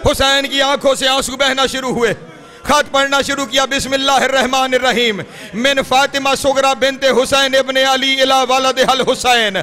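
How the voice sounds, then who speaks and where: A man with a Pakistani Urdu accent delivers a mourning sermon in a very high, bright voice. His chanted lament stays close to one note, broken by wailing refrains. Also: little pitch movement. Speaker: preacher reciting a mourning majlis. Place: imambargah mourning gathering.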